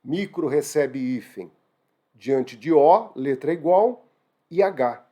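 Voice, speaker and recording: A man with a Brazilian Portuguese accent teaching an online exam-prep grammar lesson in a lively, exclamatory way. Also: on the high side, slow. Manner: lively, exclamatory, addresses students as "gente".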